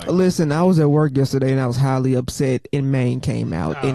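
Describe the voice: Over noticeable background noise, a man of medium pitch talks in a Memphis accent with ordinary pitch variation. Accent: Memphis, Southern with drawled vowels.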